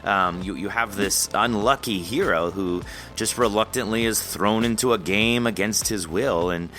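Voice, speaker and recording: A man's voice: on the low side, moderate pace, pushed and bright, faint music behind. A man hosting a podcast interview in casual chat, friendly and rambling with frequent laughs. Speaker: podcast host.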